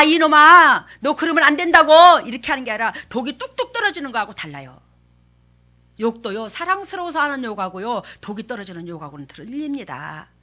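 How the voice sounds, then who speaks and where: A middle-aged woman preaches a sermon in a bright, ringing voice. She moves between storytelling and emphatic exhortation, throwing questions out to her listeners. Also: medium pitch.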